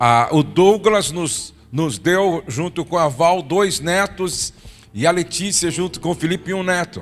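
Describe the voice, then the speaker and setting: A man speaks at a very slow pace. His voice is high in pitch. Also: ordinary pitch variation. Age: 60s. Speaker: pastor. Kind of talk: sermon.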